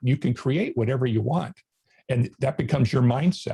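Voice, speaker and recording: Somewhat breathy and dark, mellow in tone, a man speaks at a medium pitch with ordinary pitch variation and a fairly quick pace. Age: 60s. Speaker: marketing speaker. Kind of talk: conference presentation.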